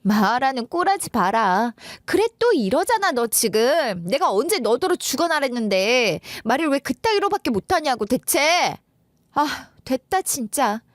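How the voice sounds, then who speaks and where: A woman voicing an exhausted working mother who angrily scolds her husband in a story radio drama, with shrill, rapid-fire complaints. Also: very animated, sharp tone, no echo, clean studio sound, exaggerated voice. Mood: angry scolding.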